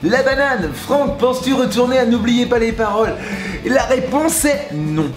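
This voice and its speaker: A man's voice: extremely high pitch, expressive, normal speed, echoey room, over music. A man, a singer and YouTuber, answers fan questions in a playful, chatty vlog style. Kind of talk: casual vlog Q&A.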